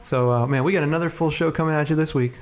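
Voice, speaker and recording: A man co-hosting a podcast in a relaxed, chatty way, sounding congested and sniffly from a cold and leaning on fillers. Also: fairly high pitch, racing. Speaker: podcast co-host. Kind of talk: casual podcast chat.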